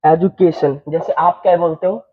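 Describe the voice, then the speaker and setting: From eastern Uttar Pradesh, India, this young man teaches an English class with a Bhojpuri-influenced Hindi accent, his voice on the high side with fairly even intonation. He often repeats phrases, checks whether his students follow, and slows for English sentences. A tinny, phone-like recording captures the lesson.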